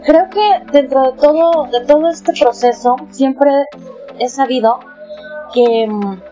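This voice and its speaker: Mexican lady guest rambling thru a story, kinda dark mellow voice, dull lo-fi sound w faint music. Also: high-pitched, slow. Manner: chatty, filler-heavy anecdotes. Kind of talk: casual storytelling chat.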